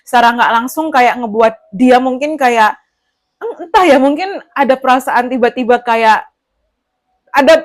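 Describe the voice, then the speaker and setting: Chatty woman giving a tarot reading. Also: a little high. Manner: chatty and rambling, addresses the listener as "you". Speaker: tarot reader. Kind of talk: casual tarot reading to the viewer.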